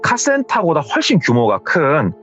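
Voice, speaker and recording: A man retelling a scary story in a casual, lively way, full of acted-out quotes, in a slightly dull recording with faint music behind. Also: a little high, normal speed. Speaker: horror story narrator.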